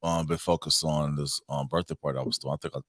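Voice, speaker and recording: Casting: American man, very low voice, dry close sound, casual slangy talk show co-host. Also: fairly even intonation, fast, fairly bright tone, dry recording. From Cincinnati, Ohio, United States. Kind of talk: casual chat, personal storytelling.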